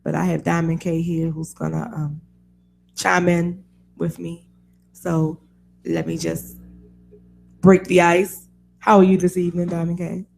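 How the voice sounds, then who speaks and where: A woman with a raspy voice hosting a casual sports talk radio show, chatty and opinionated, laughing often. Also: lowish voice, little pitch movement, a little slow, long pauses, a little mellow, slight background noise.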